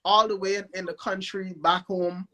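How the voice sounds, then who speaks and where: Guyanese guy, high bright voice, animated, keeps repeating words, casual interview. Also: moderate pace. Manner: animated, repeats himself, enthusiastic. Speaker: guest, record label founder. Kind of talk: casual interview over a live stream.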